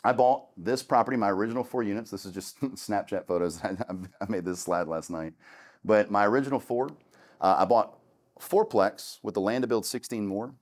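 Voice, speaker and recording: A man's voice: on the low side, moderate pace. A man, casually and candidly talking a student audience through his start in real estate, with many restarts. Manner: candid and conversational, with many restarts and "long story short". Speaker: real estate investor giving a talk.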